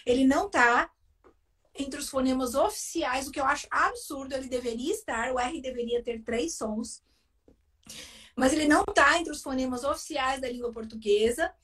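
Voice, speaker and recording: A Brazilian literacy specialist explains phonics on a live video chat, frequently tagging her sentences with "né?". Her voice sits high and fairly bright at a moderate pace, picked up by a distant mic.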